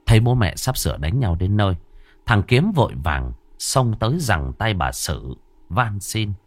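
A man narrating a ghost story in a dramatic, expressive way. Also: fairly low pitch, moderate pace, no room sound.

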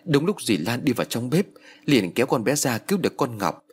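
A man's voice: medium pitch, big pitch swings, brisk, breathy edge. A man voicing a tearful middle-aged woman relative in a spoken horror story, choked and lamenting.

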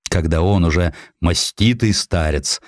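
A man reading a scripted historical sketch as an audiobook narrator, in with an expressive, theatrical storytelling delivery. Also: deep voice, a little slow, no echo, clean studio sound. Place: studio.

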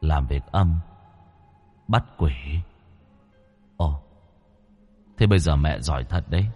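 A man voicing the ghost of a dead young son, speaking low, hushed and unsettling. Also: slow pace, in a large hall, dull audio, faint music behind, heavily acted. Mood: eerie, hushed.

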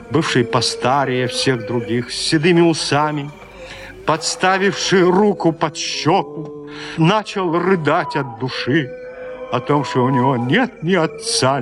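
A man narrating a classic story in a radio play, in an expressive, theatrical storytelling manner. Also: mid-range voice.

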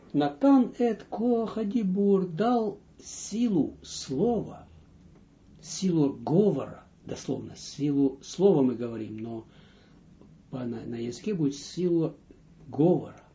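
Male teacher, slow and deliberate, mellow tone, lively pitch, dull lo-fi audio. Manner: slow, deliberate, dictating with pauses; reads phrases aloud, then translates and repeats them. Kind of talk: line-by-line text lesson.

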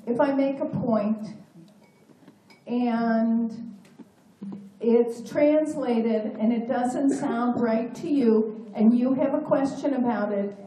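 A woman's voice: on the high side, slow pace, dark tone. A woman teaching a class, speaking in a reassuring, patient way. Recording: echoey room far from mic.

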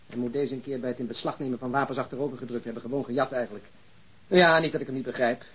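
A man acting in a crime audio drama as an earnest, principled police detective, blunt and probing, speaking deliberately. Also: medium pitch, steady tone, fairly bright tone, slightly rough, rough recording. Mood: grim, disgusted. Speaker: actor in a radio drama.

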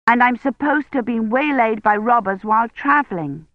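A woman's voice: a little high, moderate pace, no room sound, pitched above the performer's own voice, natural voice. An earnest young woman historian, voiced by a woman reading a novel, eager and reassuring in tone. The recording is dry and close, with a slightly dull, lo-fi sound.

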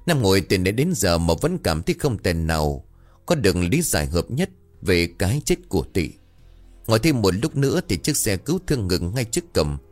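A man narrating a horror story in a dramatic, expressive storytelling manner. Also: on the low side.

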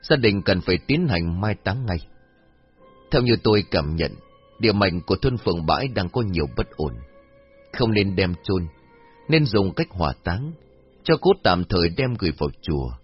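A man voicing a solemn old male exorcist master who explains in a grave, measured way. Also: low voice, very animated, husky, faint music behind, heavily acted. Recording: dull lo-fi recording.

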